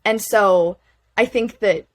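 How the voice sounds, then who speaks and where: A woman's voice: medium pitch, slow pace. Chatty young woman panelist. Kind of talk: casual panel discussion.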